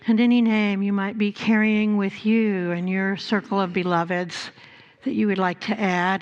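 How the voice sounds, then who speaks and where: Slow-paced woman pastor leading prayer. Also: mid-range voice, smooth, muffled recording. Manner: measured, with long pauses between phrases. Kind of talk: church service talk and guided prayer. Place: church service before a congregation.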